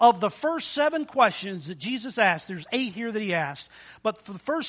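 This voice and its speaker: A man speaks in a raised, projected voice with an American accent. His tone is bright and sharp, with lively intonation at a fairly quick pace. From Michigan, then Kentucky from ninth grade. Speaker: preaching minister. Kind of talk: sermon. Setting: church service with congregation.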